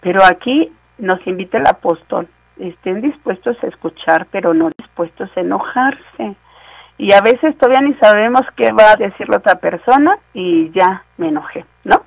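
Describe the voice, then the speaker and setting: Woman preaching with a gravelly voice. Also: mid-range voice, expressive, moderate pace, no room sound, poor audio. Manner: warm, conversational, with asides and rhetorical questions. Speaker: radio program preacher. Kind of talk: radio sermon.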